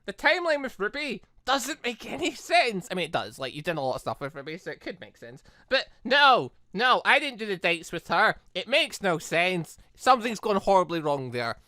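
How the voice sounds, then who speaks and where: Bright-voiced, animated gaming video host. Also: medium pitch, moderate pace, hardly any pauses, no echo. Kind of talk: casual gameplay commentary and reading game text aloud.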